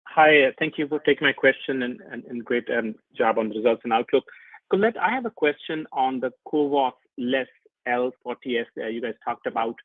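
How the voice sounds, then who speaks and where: A man's voice: mid-range voice, brisk, no echo. Male analyst on a dry phone line. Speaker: financial analyst asking a question. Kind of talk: earnings call question.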